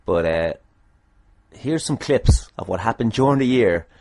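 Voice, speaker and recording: A man's voice: lowish voice, animated, a little slow, a little mellow. An Irish man hosting a casual solo podcast, self-deprecating, irreverent and a little sweary. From Ireland. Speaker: podcast host and wrestler.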